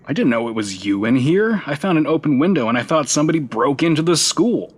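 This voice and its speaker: Exasperated male school worker, naturalistic audio drama: raspy edge, animated pitch, blunt and dry. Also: fairly quick. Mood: exasperated, defensive.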